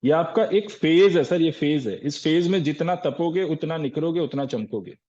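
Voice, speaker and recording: Male sales trainer at a live session: quizzes his listeners and answers himself, calls them "sir", low-fidelity recording. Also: normal speed, warm tone, lo-fi sound. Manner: asks rhetorical questions and answers them, often says "sir".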